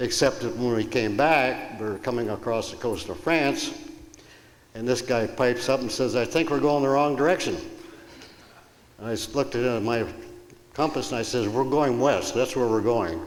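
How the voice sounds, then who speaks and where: A Midwestern US accent at a moderate pace, with ordinary pitch variation. Long, frequent pauses break up the speech over noticeable background noise. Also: man, medium pitch for a man. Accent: General American, Midwestern. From Detroit, Michigan. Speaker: World War II bomber pilot, veteran. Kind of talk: interview answer, wartime recollection.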